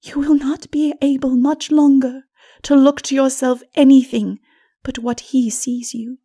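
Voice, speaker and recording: A woman voicing a sorrowful, righteous holy woman in a dark fantasy audiobook, breathy and often near a whisper, solemn and pleading. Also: sits high, level tone, measured pace. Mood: solemn exhortation.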